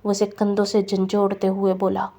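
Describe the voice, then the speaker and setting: A woman narrating a novel aloud in an even, measured reading manner. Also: mid-range voice. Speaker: novel reader.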